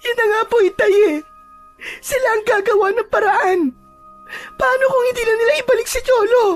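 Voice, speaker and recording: A woman's voice: extremely high pitch, fairly even intonation, normal speed, darkish tone, soft background music. A woman playing a distraught, anxious mother in an audio drama, pleading in a tearful, melodramatic way. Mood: tearful panic. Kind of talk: Filipino audio drama acting.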